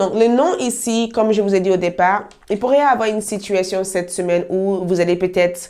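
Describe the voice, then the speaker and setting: Her voice dark and mellow, a woman talks at a fairly quick pace with very even loudness. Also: medium pitch for a woman, ordinary pitch variation. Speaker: tarot card reader. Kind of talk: tarot reading.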